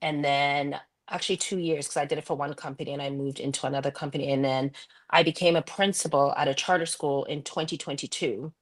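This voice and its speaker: A woman's voice: deep voice, steady tone, fairly quick. A woman from Ghana, raised in Canada, answering interview questions earnestly about her career as a school vice principal. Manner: earnest, reflective, with frequent ums. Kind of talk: interview answers, candid personal story.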